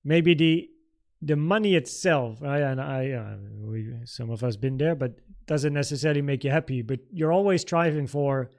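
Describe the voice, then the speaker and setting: A man's voice: mid-range voice, moderate pace, darkish tone. A man from the Netherlands, a native Dutch speaker in his thirties, hosting a casual trading livestream, informally thinking aloud as he takes viewer questions. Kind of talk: casual livestream Q&A and market commentary.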